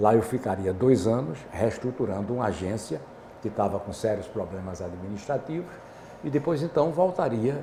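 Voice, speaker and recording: Amid noticeable background noise and audible room echo, a man speaks at a moderate pace in a fairly low pitch with very wide pitch swings. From Paraíba, northeast Brazil (João Pessoa). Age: 70s. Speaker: hospital director. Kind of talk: interview.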